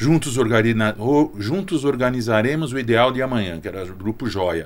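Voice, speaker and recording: An unremarkable speaking voice from a man at medium pitch and moderate pace. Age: 60s. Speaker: company CEO. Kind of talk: casual interview.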